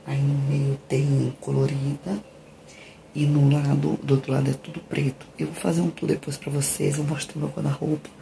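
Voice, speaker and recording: At a moderate pace and level tone, a middle-aged vlogger with a Brazilian accent rambles casually to camera, her low-pitched voice dark and laced with vocal fry. It's a noisy handheld recording made at home in small indoor rooms, using a phone held at arm's length.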